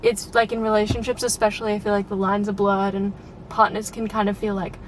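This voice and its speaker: A woman's voice: medium pitch, little pitch movement, a little fast, slight background noise, rough recording. Chatty young woman. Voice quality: slightly raspy at times. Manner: chatty, laughs often, lots of "like". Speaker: channel host. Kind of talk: casual chat.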